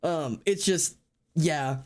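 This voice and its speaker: An excitable streamer and artist chatting casually on a live stream. The talk rambles, full of restarts and offhand swearing, at an ordinary middle pitch. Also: slow. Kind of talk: casual chat.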